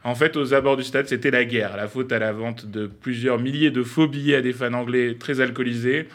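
A man's voice: mid-range voice, fairly even intonation, fairly quick, fairly bright tone. A young man giving a scripted, playful radio column, mock-pompous and laughing at his own jokes.

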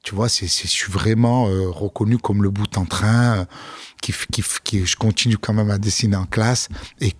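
A man's voice: lowish voice, normal speed, breathy edge, no echo, studio quality. A man, a comedian, talking casually in an interview, telling stories with fillers and restarts. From France. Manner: relaxed storytelling, many fillers and restarts. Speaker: comedian guest.

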